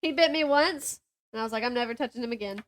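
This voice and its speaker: A woman's voice: fairly high pitch, quick pace. A woman co-hosting a book podcast in casual, chatty banter, with an informal, slangy way of telling stories and acting out what people said. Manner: informal, slangy, animated retelling with acted-out quotes.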